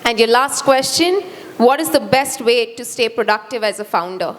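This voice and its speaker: A woman's voice: fairly high pitch, animated, normal speed. A woman with an Indian accent hosting a stage event and putting short questions to panelists. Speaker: event host asking questions. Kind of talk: rapid-fire stage questioning. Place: indoor event hall. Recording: noisy hall background.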